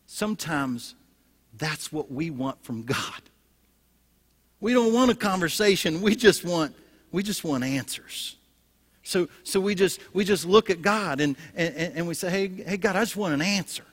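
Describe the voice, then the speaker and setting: A male pastor preaching a sermon, telling stories with lively energy and frequent restarts. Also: a little high, unhurried, husky. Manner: storytelling, animated, frequent restarts. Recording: echoey hall.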